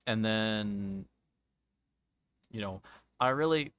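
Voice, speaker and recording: A man giving casual, rambling commentary as a game streamer, halting and searching for words, often trailing off mid-thought. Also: fairly low pitch, a bit bright, dry recording, clean studio sound. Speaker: streamer reviewing a visual novel game.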